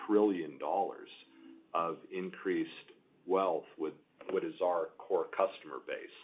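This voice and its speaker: A man answering questions as a company executive on an earnings call, halting and repeating words as he explains. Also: low voice. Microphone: conference call line. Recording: muffled narrow-band conference call audio.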